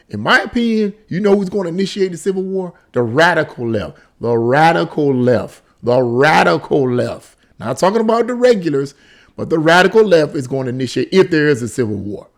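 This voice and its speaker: A man with a fairly high voice commenting off the cuff on political news. He is opinionated and exasperated, stammers into restarts and hammers his points by repeating them. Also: animated, fast. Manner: exasperated, opinionated, repeating words and phrases for emphasis. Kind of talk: unscripted commentary on a news article.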